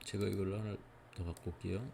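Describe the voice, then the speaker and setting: A man giving an explanatory lecture, patiently going step by step and often pausing to check in with his listeners. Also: deep voice, fairly even intonation, creaky, background noise.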